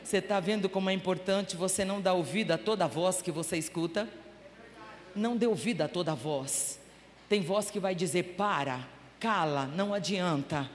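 A woman missionary with a Brazilian accent preaching a sermon fervently, her voice swelling to loud exclamations. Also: lowish voice, fairly quick. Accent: Brazilian Portuguese. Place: church hall. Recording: echoey church hall.

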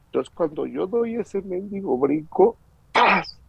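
A middle-aged man with a Mexican accent gives an earnest, emotional personal testimony. His voice is husky and gravelly. The recording is dry and dull, with a lo-fi sound. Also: high voice, animated, slow, no echo. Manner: earnest, emotional storyteller who acts out the voices in his story. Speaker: guest giving a personal testimony.

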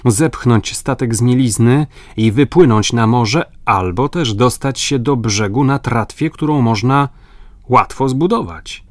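A man's voice: medium pitch, a little slow, dry recording, voice pushed up, lightly acted. A man voicing a young ship captain who gives urgent, decisive orders. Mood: thoughtful. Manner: giving crisp orders.

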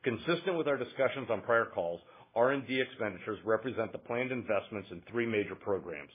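Over a thin, muffled conference phone line, a man with a somewhat low, husky voice reads a prepared financial report. He sounds like a company executive, formal and measured as he works through the figures. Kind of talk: scripted financial report on an earnings call.

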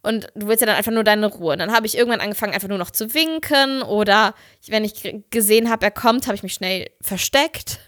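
A young woman co-hosting a casual podcast, telling a story in an animated way. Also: medium pitch, fast, hardly any pauses. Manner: animated, acting out dialogue, giggly. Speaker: podcast co-host.

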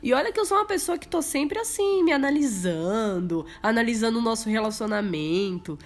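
A woman's voice: fairly high pitch, lively intonation, a little fast. A Brazilian woman co-hosting a casual podcast, talking through a stuffy nose from a cold and explaining her point with everyday examples. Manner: chatty, explains with examples, laughs easily. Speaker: podcast co-host. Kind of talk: casual chat.

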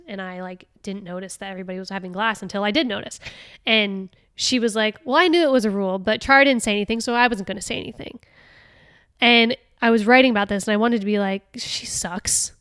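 A woman hosting a casual solo podcast, chatty and laughing often, reading passages aloud with lively expression. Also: medium pitch, smooth, dry recording, studio quality. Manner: chatty, laughing often, with many fillers and restarts. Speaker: podcast host.

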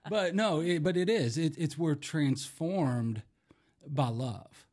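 A man, a podcast co-host and former youth leader, chatting casually in a halting way with many restarts. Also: fairly high pitch, a little mellow. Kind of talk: casual chat.

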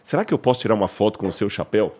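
A man's voice: on the low side, expressive, racing, darkish tone, breathy edge. A Brazilian man, a podcast guest, telling a travel story in an enthusiastic, chatty way. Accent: Brazilian Portuguese. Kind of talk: casual storytelling.

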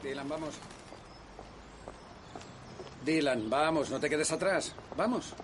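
An actor in his fifties dubbing a kind, gruff working man, steady and protective in his reassurance. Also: fairly high pitch, slow, background noise. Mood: urging. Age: 50s. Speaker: unemployed carpenter in a film.

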